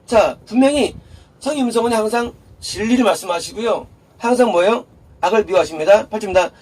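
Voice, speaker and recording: A pastor with a high, slightly mellow, breathy voice delivers a quick, chatty sermon, asking the congregation rhetorical questions and answering them himself while laughing in passing. He sounds a bit distant from the mic, with faint background noise.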